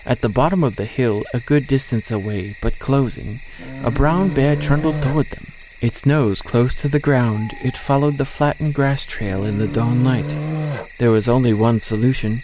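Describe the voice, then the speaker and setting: A man's voice: medium pitch, moderate pace, noisy background. A man reading a scripted story as the narrator of an audio drama. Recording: faint outdoor nature ambience.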